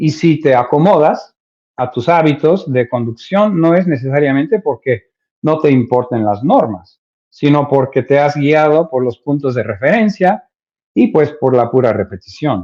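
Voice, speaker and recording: Speaking in an English accent, a man uses a fairly high pitch and a dark, mellow tone. His intonation is lively and his pace fairly slow. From Mexico. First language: English (speaking Spanish). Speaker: theologian speaker. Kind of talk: lecture.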